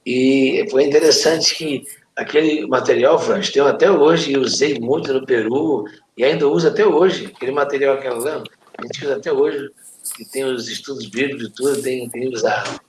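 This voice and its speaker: A Brazilian-accented man shares memories in a casual, halting chat, at an average pitch. The room echoes and there is faint background noise. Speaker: participant in a church friends' live chat. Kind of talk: casual reminiscing.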